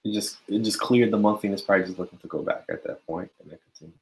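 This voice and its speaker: A man's voice: lowish voice, steady tone, very fast, a little mellow, slight background noise, poor audio. A man giving a casual live-stream forex chart analysis, sleepy and yawning, talking loosely with many fillers. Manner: casual, filler-heavy, addresses viewers as guys. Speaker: forex trading educator.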